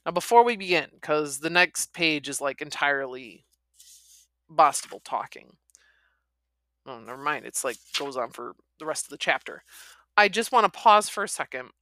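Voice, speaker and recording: A woman's voice: low voice, expressive, moderate pace, a bit bright, no room sound. A woman podcast host reading a novel aloud, with chatty, critical asides.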